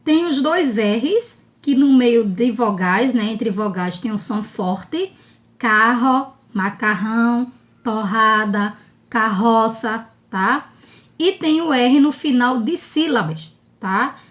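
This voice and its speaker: A woman teaching a children's spelling lesson in a slow, drawn-out, sing-song voice, often checking in with her listeners. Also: fairly high pitch, expressive.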